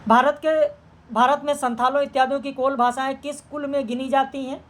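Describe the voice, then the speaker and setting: With a high-pitched voice and flat delivery, a woman teacher reads out practice exam questions one by one. She checks the answers in a quick, no-nonsense way.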